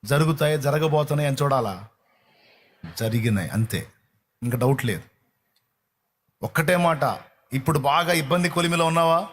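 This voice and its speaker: A man's voice: a little high, normal speed, long pauses, fairly bright tone. Fervent male preacher. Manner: fervent, repetitive preaching cadence. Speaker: pastor. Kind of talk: sermon.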